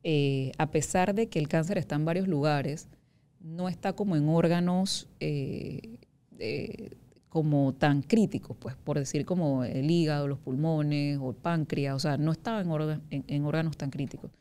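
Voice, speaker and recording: A woman's voice: low voice, normal speed, dark tone. A woman in her thirties, an interview guest, speaking frankly in long, looping sentences full of asides. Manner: frank, talks in long loops with many "o sea" asides. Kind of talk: candid conversational interview.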